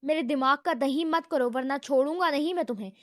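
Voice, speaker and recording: A woman voicing a rude, hot-tempered young man who shouts indignant outbursts in a storybook reading. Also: high-pitched, no room sound, clean studio sound, lightly acted. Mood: angry shouting.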